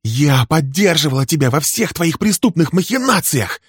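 A scorned, furious wife hurls accusations in a high, shrill, cutting voice, as a male reader of a crime story puts her on. The sound is dry and close, with no room around it. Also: a little fast, husky, no room sound, natural voice. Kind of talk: dramatic audiobook reading.

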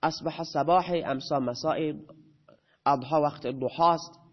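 A man teaches grammar in a lecture, with a voice on the high side. He asks the class a question and answers it himself. The recording sounds a little dull and muffled. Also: steady tone.

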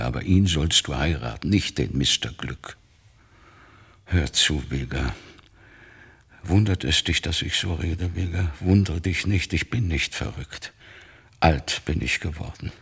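An actor in a radio play voicing an old Jewish teacher, despairing, bitter and defiant toward God, with a gravelly, husky voice. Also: male voice, rumbling low, a bit bright, heavily acted. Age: 60s or older.

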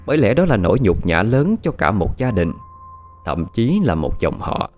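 A man narrating an audio story in a measured, expressive way. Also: lowish voice. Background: faint background music.

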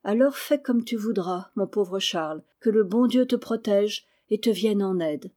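Woman playing a soft-spoken kind blind girl, gentle and patient, mellow tone, storybook. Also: medium pitch, a little slow, lightly acted.

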